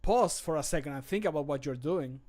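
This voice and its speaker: A mock-sincere fantasy game character, acted by a man, with a slightly high male voice. Each scripted line is delivered deliberately and emphatically, with a punster's wryness. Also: expressive, darkish tone. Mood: admonishing.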